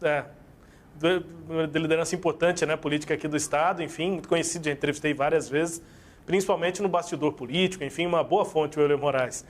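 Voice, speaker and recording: A man co-hosting a radio show, speaking briskly and chattily, thanking and introducing a guest. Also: a little high, fairly even intonation. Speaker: radio co-host. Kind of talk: radio interview and sign-off.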